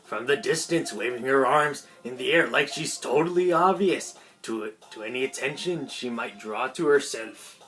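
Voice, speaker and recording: Low-pitched woman reading a game aloud. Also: normal speed, hardly any pauses, fairly bright tone, soft background music. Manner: stumbles over written lines, corrects self. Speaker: video creator voicing a visual novel. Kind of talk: amateur read-aloud narration with asides.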